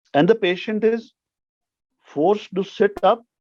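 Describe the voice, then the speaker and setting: The speech moves at a very slow pace. Its pitch varies in an ordinary way. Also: man. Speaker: homeopathy teacher. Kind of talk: lecture.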